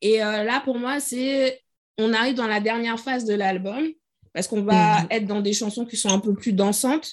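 A woman uses an ordinary speaking voice at a moderate pace. Her pitch is fairly high, with ordinary pitch variation. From Guadeloupe. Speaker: podcast host. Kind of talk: interview; scripted narration.

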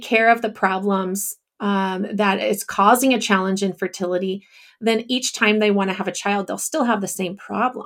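A woman speaks in a plain, everyday voice at a moderate pace. The recording is very clean, with a silent background. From Northern California. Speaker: fertility care practitioner and doula. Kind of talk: interview.

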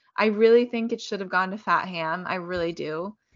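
Moderate pace and ordinary pitch variation in an unremarkable speaking voice. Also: woman. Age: 20s. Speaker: podcast co-host. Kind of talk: casual chat.

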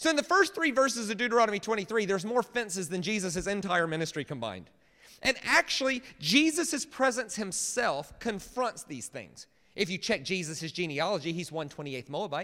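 In a very clean recording with a silent background, a man uses a raised, projected voice with a high pitch, a bright, sharp tone, very wide pitch swings and a fairly quick pace. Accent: American. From United States. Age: 40s. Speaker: guest preacher. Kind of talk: sermon. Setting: church.

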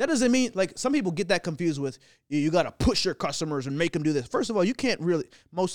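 A man talks at a very fast pace in an animated tone, his pitch swinging very widely. The sound is dry and close, with no echo. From Pennsylvania, US. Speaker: sales leader. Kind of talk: casual interview. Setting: live recording.

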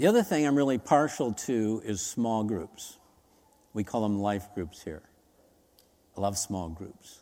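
A man with an American accent and a fairly low pitch talks in a dark, mellow tone with lively intonation and long, frequent pauses. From Minnesota. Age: 60s. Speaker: pastor. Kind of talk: sermon. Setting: church.

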